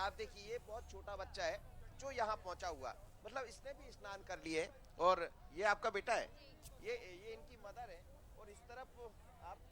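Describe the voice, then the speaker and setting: A man's voice: high voice, fairly bright tone. A man reporting outdoors in a crowded festival area, asking pilgrims short questions. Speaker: field reporter. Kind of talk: on-the-spot interviews.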